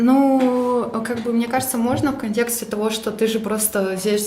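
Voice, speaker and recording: Noticeable background noise and audible room echo accompany delivery at a fairly slow pace. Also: woman. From Russia. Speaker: frontend programmer. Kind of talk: interview.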